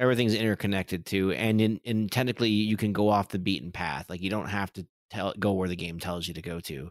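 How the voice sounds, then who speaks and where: An American accent from a man with a fairly low pitch and ordinary pitch variation at a very fast pace with hardly any pauses, dry and close with no echo, in a very clean recording with a silent background. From US East Coast. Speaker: podcast co-host. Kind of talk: casual chat.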